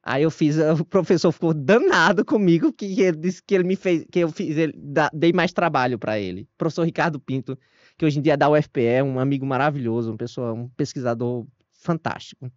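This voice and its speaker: A man with a northeastern Brazilian accent, a guest historian telling his own story in an interview, animated and self-deprecating. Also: a little high, brisk, no echo. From Northeast Brazil (Paraíba, Ceará). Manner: animated, self-deprecating, frequent restarts and laughs. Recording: dull lo-fi dry audio.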